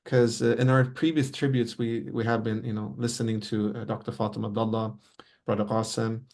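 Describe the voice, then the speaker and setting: A man's voice: lowish voice, level tone, a little fast, a little mellow. A man hosting an online tribute over a video call, courteous and formal, with many religious blessings in his speech. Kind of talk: formal moderating.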